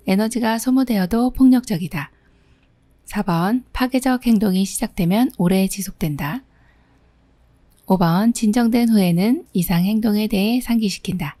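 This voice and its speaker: Woman, middle-aged, exam prep instructor, patient explainer, warm tone, dry studio sound. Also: mid-range voice, dry recording. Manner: reads questions aloud, then explains the answers patiently. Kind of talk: exam question walkthrough lesson.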